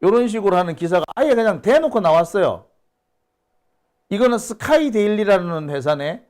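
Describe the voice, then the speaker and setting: A man's voice: sits high, animated, moderate pace, a little mellow. A man hosting a solo news commentary, indignant and scoffing, sighing and exclaiming as he reads out rumors. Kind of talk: solo talk-show commentary.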